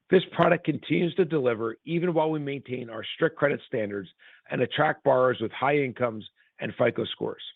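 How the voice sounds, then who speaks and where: A man's voice: mid-range voice, no room sound. A man reading a scripted earnings presentation as a company executive, in a formal, businesslike manner. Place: conference call line. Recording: tinny phone-line sound.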